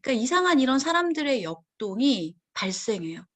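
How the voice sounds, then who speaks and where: A woman co-hosting a psychology talk show, speaking in a thoughtful, gently reflective way. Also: high-pitched, sing-song, a little fast. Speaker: podcast co-host. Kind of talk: casual explanatory chat.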